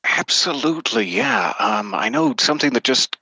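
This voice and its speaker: A man's voice: mid-range voice, expressive, moderate pace, creaky, pushed and bright, husky, no room sound, rough recording. A man being interviewed as a podcast guest, talking casually in a polite, playful, tongue-in-cheek way.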